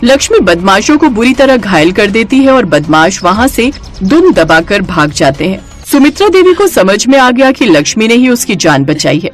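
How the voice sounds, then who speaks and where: Female storybook narrator, animated delivery, soft music bed. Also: medium pitch, moderate pace, few pauses. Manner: lively storytelling.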